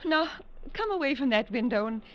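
A woman's voice: fairly high pitch, lively intonation, a little fast, fairly bright tone. An actress playing a prim, middle-aged English mother who distrusts the French, in 1940s radio acting. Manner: prim, disapproving. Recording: muffled old radio broadcast.

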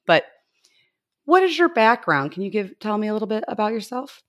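A woman's voice: mid-range voice, very animated, fairly quick. A woman hosting a podcast interview, chatting eagerly and gushing about the guest's work. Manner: enthusiastic, gushing, with restarts. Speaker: podcast host.

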